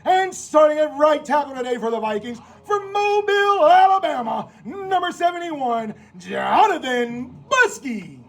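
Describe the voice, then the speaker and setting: Male stadium PA announcer, American accent. Very high register, highly animated intonation, showy drawn-out name calls for football introductions. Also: slight background noise. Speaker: stadium public address announcer.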